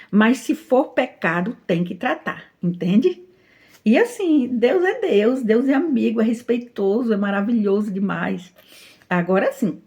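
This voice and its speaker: A middle-aged Brazilian woman talks through a devotional lesson in a soft, chatty manner and laughs easily as she goes. Her voice has a gravelly fry running under it. The tone sits on the dark, mellow side. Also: medium pitch. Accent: Brazilian Portuguese. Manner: gentle, chatty, tends to laugh while speaking. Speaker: Christian teacher. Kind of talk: informal devotional talk.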